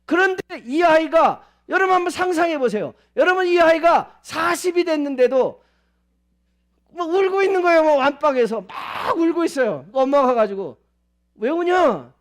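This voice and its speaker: Very high-voiced male pastor preaching. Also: normal speed. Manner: animated, asks the congregation many questions. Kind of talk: sermon. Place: church service.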